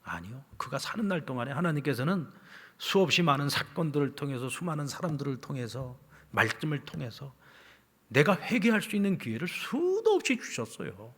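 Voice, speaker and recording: Man, pastor, sermon, storytelling, hushed whispers to loud emphasis, middle pitch, long church reverb. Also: animated, brisk. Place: church sanctuary.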